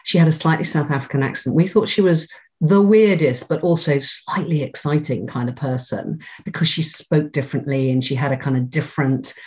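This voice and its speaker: A woman's voice: deep voice, a little fast, darkish tone. A woman with an English accent, interviewing a guest in a conversational, chatty style. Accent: English, not noticeably Cornish. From Cornwall, England. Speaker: interviewer with drama school training.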